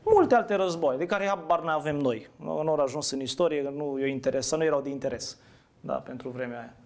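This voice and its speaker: A man's voice: on the high side, a little mellow. A man preaching a sermon in a conversational way, asking his listeners questions and answering them himself. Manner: asks the audience questions, conversational. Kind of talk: interactive sermon.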